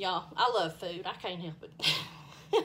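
This woman's voice has a bright, sharp tone. There is light background noise. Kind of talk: tutorial. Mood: chatty, warm, humorous. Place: kitchen. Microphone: phone near.

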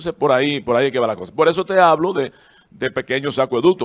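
A man's voice moves through a normal range of pitch with little sound behind it. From Dominican Republic. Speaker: government agency director. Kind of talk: TV interview. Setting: TV studio. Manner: halting. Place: studio. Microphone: handheld.

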